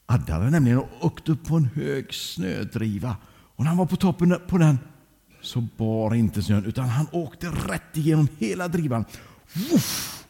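Gravelly man telling a children's story. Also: mid-range voice, big-room sound. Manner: lively, addressing young listeners.

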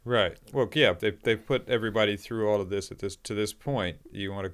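A man's voice: on the low side, brisk. A man interviewing a guest, mostly giving short replies and asking brief questions in a casual way. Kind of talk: casual conversation.

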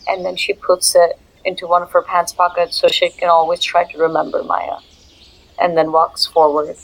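A woman's voice: lowish voice, completely flat delivery, normal speed, creaky, low-quality recording. A woman player in a tabletop game, describing her character's actions in a casual way.

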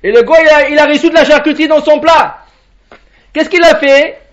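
A man giving a Torah lesson as a lively storyteller, acting out the characters' lines. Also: very high voice, fairly quick. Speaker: rabbi. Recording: dull lo-fi recording.

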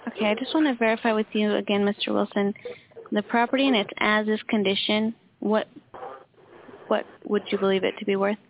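A woman working as a home buyer's phone agent, delivering a steady, rehearsed sales pitch. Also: brisk. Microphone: telephone. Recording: tinny phone line with clear hiss.

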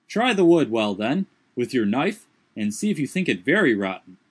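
A man voicing an agitated gentleman who gives urgent commands. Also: mid-range voice, very animated, moderate pace, slightly rough. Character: agitated, obsessive gentleman giving orders. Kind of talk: audiobook character voice.

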